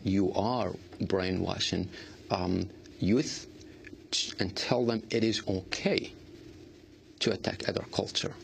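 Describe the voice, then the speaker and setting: A man answering interview questions earnestly, halting often with fillers and restarts. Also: on the low side, creaky, a little hiss or hum. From Iraq. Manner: halting, many fillers and restarts, non-native grammar. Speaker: artist guest.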